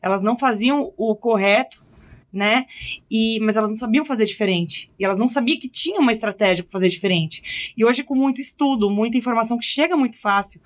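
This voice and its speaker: A woman's voice: a little high, a little fast. A middle-aged Brazilian woman, a mother, talking thoughtfully and hesitantly in a casual podcast chat. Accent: Brazilian Portuguese. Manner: thoughtful, hesitant, many fillers. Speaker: podcast guest.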